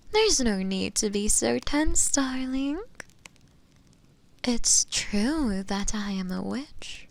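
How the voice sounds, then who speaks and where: A woman's voice: mid-range voice, gravelly. A woman voicing a sly, seductive witch captor in a roleplay audio drama, teasing and condescendingly sweet, often slipping into whispers. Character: sly, seductive female witch captor, possessive and self-assured.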